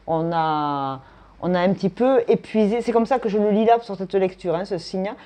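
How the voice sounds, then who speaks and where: A woman's voice: mid-range voice, moderate pace, dark tone. A woman from France, giving a casual tarot and astrology reading in a chatty, thinking-aloud manner. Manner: chatty, thinks aloud, frequent tag "hein". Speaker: tarot reader.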